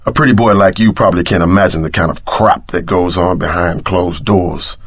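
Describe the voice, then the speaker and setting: An actor voicing a tough, brash ex-security chief with streetwise swagger and a gruff voice in a video game. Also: male voice, sits low, a little fast, no echo, studio quality. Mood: grim, vengeful.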